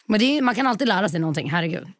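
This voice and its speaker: A woman's voice: mid-range voice, animated, dry recording. A woman, a podcast guest, telling a personal story in casual chat, swearing often and acting out what people said. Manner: chatty, swears often, acts out quotes.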